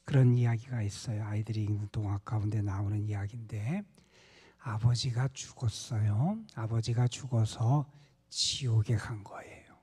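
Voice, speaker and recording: A male pastor gives a dawn prayer sermon, his mellow, husky voice often dropping to a near whisper. The sound carries a long reverb from the church sanctuary. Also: fairly low pitch, fairly even intonation, normal speed. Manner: soft-spoken, often half-whispered delivery.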